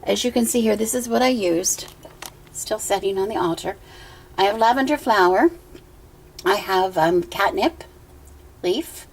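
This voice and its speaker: A middle-aged woman with a hoarse voice from a cough, talking at home in a casual show-and-tell vlog, gentle and meandering with many ums and pauses. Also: medium pitch. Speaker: pagan altar vlogger. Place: indoor room at home with a water feature. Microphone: camera she handles herself.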